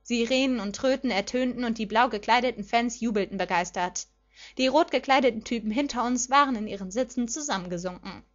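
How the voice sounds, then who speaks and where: A woman reading a fan fiction story aloud in a lively first-person voice. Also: a little high, a little fast, lo-fi sound. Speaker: audiobook reader.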